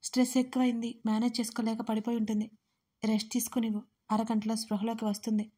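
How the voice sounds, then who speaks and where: A woman voicing a stern, short-tempered young man who scolds loudly and speaks curtly. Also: a little high, completely flat delivery, quick pace, breathy edge. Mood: scolding. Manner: scolding, loud and curt.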